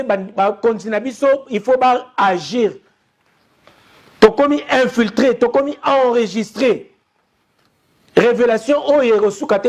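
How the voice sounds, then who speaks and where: A young man from Congo with a Congolese accent, giving an impassioned online TV commentary full of repeated, rallying appeals to his listeners. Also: high voice. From Democratic Republic of the Congo. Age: young adult.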